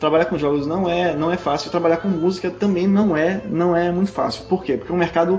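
Fairly quick, high-pitched speech from a man, its pitch varying in an ordinary way, over noticeable background noise. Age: 30s. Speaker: video game music composer. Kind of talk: casual interview.

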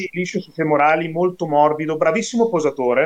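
This is a man talking. The variation in his pitch is ordinary. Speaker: bodybuilding athlete. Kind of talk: casual chat.

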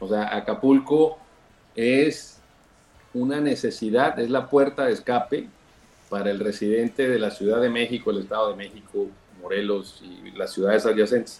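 This man has an ordinary speaking voice at a medium pitch. His pitch varies in an ordinary way, and his pace is moderate. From Venezuela, Caracas. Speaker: hotel general manager. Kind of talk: podcast interview.

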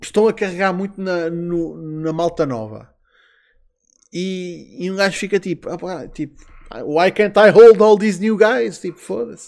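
A high-pitched man speaking fairly slowly with long, frequent pauses, ordinary pitch variation and big swings in loudness, on a very clean recording with a silent background. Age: 20s. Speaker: wrestling podcast host. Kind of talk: casual chat. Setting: live stream.

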